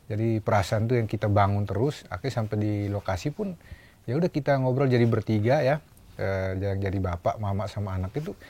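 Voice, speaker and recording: A man talking as an actor about his role, relaxed and hesitant, often searching for words. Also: on the low side, brisk. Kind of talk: casual discussion.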